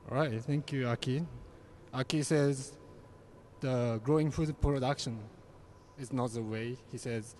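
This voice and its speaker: A man's voice: medium pitch, fairly even intonation, unhurried, dark tone, a little hiss or hum. Man moderating a student panel. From Japan.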